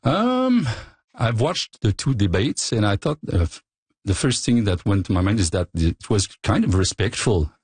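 A man's voice: fairly low pitch, sing-song, moderate pace, darkish tone, husky, no room sound. A man with a Quebec French accent, a comedian guest speaking hesitantly in a radio interview. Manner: hesitant, laughs often.

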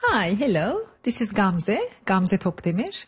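A woman from Turkey, bubbly and animated in an interview, recorded at a distance from the mic. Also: mid-range voice, unhurried, slightly rough. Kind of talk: street interview.

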